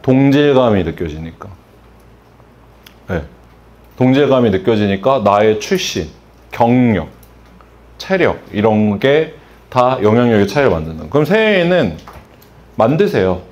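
A man's voice: medium pitch, big pitch swings, unhurried, long pauses, a little mellow, dull audio. A middle-aged man giving a salon business workshop, asking the audience questions and acting out exchanges with customers. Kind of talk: workshop lecture.

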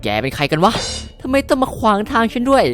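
A woman's voice: on the high side, sing-song, quick pace, over music. A woman voicing a sneering, threatening male street bully in a game cartoon. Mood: menacing. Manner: sneering, menacing.

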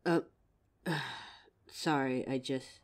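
Very slowly and heavily acted, a young woman gives voice to a worried, protective female werewolf talking to her partner in an audio roleplay for a listener. Her bass voice is darkish with fairly even intonation. She hesitates, stammers, and lets out many sighs.

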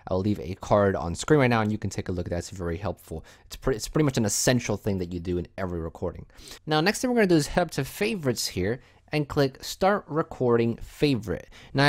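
Male tutorial host, medium pitch, casual and instructional, walking viewers through software one step at a time.

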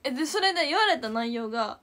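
A young woman in her twenties with a Kansai accent, telling a story to viewers in an animated, giggly way. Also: high voice, quick pace. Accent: Kansai Japanese. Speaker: idol livestreamer.

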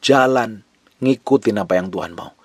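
A man's voice: on the low side, normal speed, dry recording. A man preaching a sermon as a pastor, fervent and emphatic, mixing casual colloquial speech with scripture reading.

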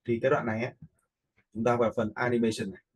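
A man giving a casual, step-by-step software tutorial, informally checking in with listeners as he goes. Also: mid-range voice, flat delivery, rapid-fire, husky. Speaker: video editing instructor. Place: indoors, voice-over for a screen recording.

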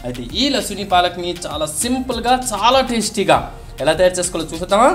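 A man's voice: high-pitched, lively intonation, quick pace, a bit bright, faint music behind. A man narrating a cooking recipe step by step, addressing viewers directly in an instructional way. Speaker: host of a cooking channel.

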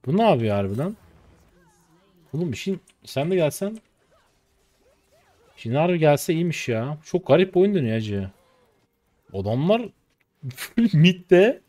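A man's voice: on the high side, normal speed, pauses often. A man in his late twenties from Turkey, a streamer giving slangy, casual commentary over his own gameplay. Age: late 20s. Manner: slangy, excitable, shouts when the game turns.

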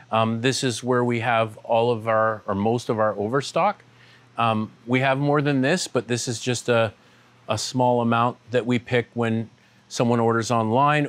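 A middle-aged man, a shop owner, giving a casual walking tour of his large indoor aquarium shop and warehouse, talking with lots of "um" fillers. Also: medium pitch. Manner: relaxed, many "um" fillers, pointing at products as he walks.

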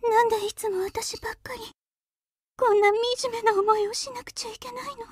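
A woman's voice: very high-pitched, steady tone, fairly quick, no room sound, studio quality, voice pushed up. A woman voicing a bitter, desperate, vengeful young woman in an intense, anguished drama performance.

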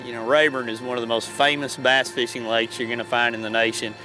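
A man's voice: mid-range voice, little pitch movement, fast, rough recording. Middle-aged man, folksy fishing host, music behind. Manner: folksy, conversational. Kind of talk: casual fishing commentary.

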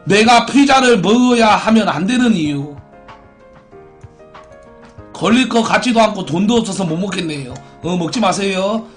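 A man's voice: sits high, lively intonation, moderate pace, long pauses, faint music behind. A man in his twenties hosting a live stream, reading out viewer posts and giving theatrical announcer-like verdicts in a brash, crude, mocking way. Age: 20s. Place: small indoor room at a computer.

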